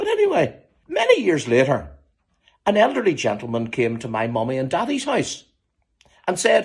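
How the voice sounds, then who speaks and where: This man talks at a moderate pace. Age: late 60s. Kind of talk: casual anecdote and reflection.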